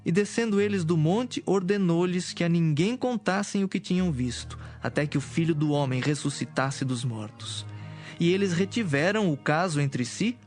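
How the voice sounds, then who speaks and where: A man narrating scripture from a script in a measured, solemn manner. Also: fairly high pitch, animated, a little mellow. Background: music.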